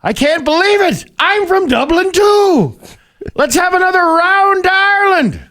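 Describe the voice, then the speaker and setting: Man acting drunk Irish barfly, high-pitched, loud, excitable, swooping, comic joke telling. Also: a little slow, full character voice. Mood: drunk, excited.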